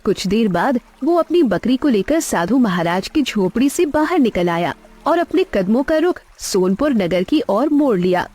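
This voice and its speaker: A woman narrating a cartoon story in an expressive, dramatic way. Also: on the high side, normal speed.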